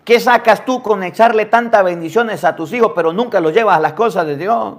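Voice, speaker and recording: Emphatic priest preaching. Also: male voice, sits high, brisk. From Venezuela. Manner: emphatic preaching with rhetorical questions and sudden drops to near-whispers. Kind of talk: sermon.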